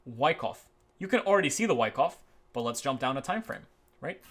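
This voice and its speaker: A man teaching trading as he walks through charts on his screen, tagging his points with "right?" and moving between quick and slow stretches. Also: mid-range voice, expressive, fairly bright tone. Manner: repeats "right?" as a tag, talks through live charts; uneven pace, speeds up and slows down. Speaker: trading educator. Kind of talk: screen-share chart walkthrough.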